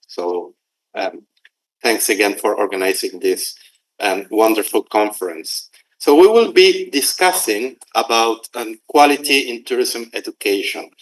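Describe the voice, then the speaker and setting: A middle-aged man from Argentina, giving a conversational conference presentation and pausing at times to find words. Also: mid-range voice, low-quality recording. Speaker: conference speaker.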